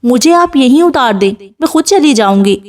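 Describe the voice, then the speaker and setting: A woman's voice: high-pitched, animated, distant mic. A woman reading a novel aloud, voicing a timid, frightened young woman who pleads and protests. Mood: tearful, bitter. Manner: pleading, fearful.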